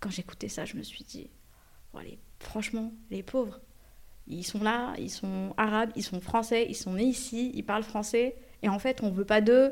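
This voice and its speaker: Speaking at a moderate pace with a fairly high pitch, the woman leaves long, frequent pauses, her loudness swings widely, and her intonation stays fairly even. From Algeria (Blida), France from age 8. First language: Arabic (speaking French). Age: 30s. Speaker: music journalist and publisher. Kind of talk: casual interview chat.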